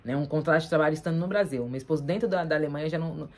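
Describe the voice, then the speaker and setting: A young adult Brazilian woman chatting casually with her husband, speaking Brazilian Portuguese and tagging most sentences with a quick question. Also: low voice, a little mellow. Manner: chatty, frequent tag questions. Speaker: vlog host. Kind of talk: casual chat.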